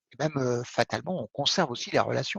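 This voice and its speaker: Vocal fry runs through this man's medium-pitched voice at a moderate pace. The sound is dry and close, with no echo. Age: 60s. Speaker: training expert and consultant. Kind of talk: webinar presentation. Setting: online webinar. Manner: halting, many hesitations.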